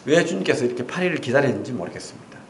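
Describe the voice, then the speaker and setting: A middle-aged man preaching a sermon as pastor, animated, with sudden loud outbursts and quiet asides. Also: mid-range voice, racing, slight background noise. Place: church sanctuary. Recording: echoey church hall.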